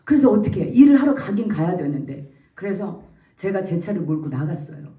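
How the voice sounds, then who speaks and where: A woman in her forties giving a heartfelt church testimony, telling her story with lively acted-out quotes. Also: on the low side, brisk. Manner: animated storytelling, acts out quotes, laughs and nearly cries. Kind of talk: emotional testimony. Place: church sanctuary. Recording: echoey church room, mic at a distance.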